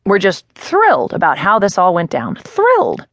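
A woman's voice: medium pitch, huge pitch swings, moderate pace, no echo. Woman voicing awkward upbeat male agent, nervous cheer, dry close sound. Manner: nervously enthusiastic.

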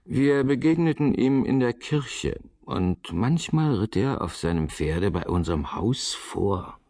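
A man narrating a radio drama in the first person, looking back on his childhood in a measured, reflective way. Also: lowish voice, expressive, mellow.

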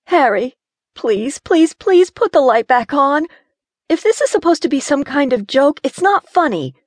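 A woman voicing a feisty young city woman who is claustrophobic and quick to panic. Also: mid-range voice, big pitch swings, no room sound, studio quality, pitched above the performer's own voice, natural voice. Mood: nervous, sassy. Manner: jumpy, sassy, quick to panic.

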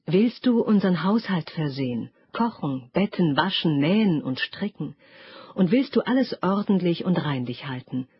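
Little storybook dwarfs all puzzled and fussy, a woman reading them, breathy voice, bit dull lo-fi sound. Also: lowish voice, animated, normal speed, no room sound. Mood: kindly. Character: seven kindly little male dwarfs, fussy. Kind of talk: audiobook fairy tale reading.

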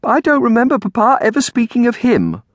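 A man voicing a distraught, pleading eleven-year-old orphan girl in a storybook, tearful and halting. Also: sits high, wildly swooping pitch, no room sound, voice pushed up, heavily acted. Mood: anxious, questioning. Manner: tearful, halting, stammering on first words.

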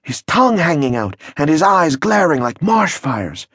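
A man voicing an excitable, frightened French village peasant who tells a fearful tale breathlessly. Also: a little high, moderate pace, no echo, clean studio sound, pitched above the performer's own voice, lightly acted. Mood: frightened, excited.

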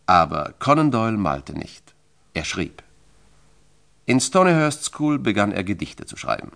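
A man's voice: on the low side, sing-song, unhurried, creaky, fairly bright tone. A man narrating a biography from a script in a dramatic, emphatic and solemn storytelling style.

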